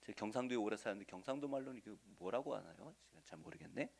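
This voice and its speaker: A male pastor giving a Sunday sermon, asking the congregation questions and answering them, swinging between loud stresses and soft asides. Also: fairly low pitch, lively intonation, fast, creaky. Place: church sanctuary.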